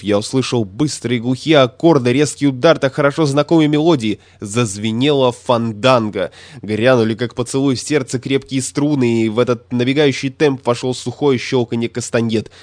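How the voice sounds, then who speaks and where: A man narrating a classic novel as an audiobook reader, in an even, measured storytelling manner. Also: medium pitch, no room sound.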